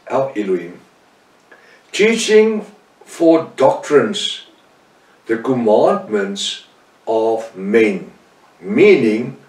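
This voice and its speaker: A man's voice: mid-range voice, darkish tone. A man with a South African Afrikaans accent teaching the Bible, emphatic, often repeating and correcting himself. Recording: roomy sound from a distant mic.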